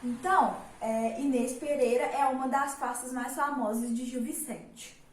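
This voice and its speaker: A woman's voice: sits high, steady tone, a little slow, a little hiss or hum. A young woman teaching a casual literature lesson, chatty, with many fillers and rhetorical questions. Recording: roomy, mic at a distance.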